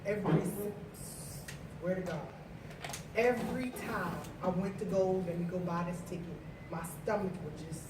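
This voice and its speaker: A woman's voice: fairly low pitch, moderate pace. Woman telling her story from across the room. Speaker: guest. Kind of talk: casual storytelling. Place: home with friends. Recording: far mic, echoey room, noisy.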